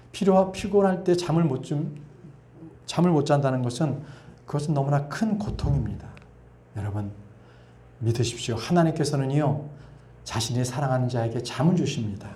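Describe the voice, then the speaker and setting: A middle-aged male pastor preaching an earnest sermon, sometimes softly voicing God's gentle words. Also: fairly high pitch. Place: church sanctuary. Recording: echoey church hall.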